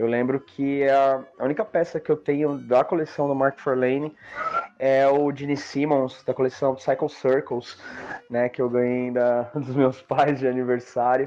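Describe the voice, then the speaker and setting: Noticeable background noise runs behind a man with a medium-pitched voice. He talks at a fairly slow pace with monotone, flat intonation. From São Paulo, Brazil. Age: 30s. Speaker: illustrator and comic artist, listener. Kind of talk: recorded voice message. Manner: halting, many fillers.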